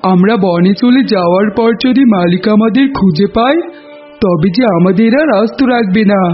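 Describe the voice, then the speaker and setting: A man as high, worried cartoon farm animal. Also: moderate pace, husky. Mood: worried, protesting. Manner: anxious, protesting. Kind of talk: cartoon voice acting. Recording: muffled cartoon audio with music.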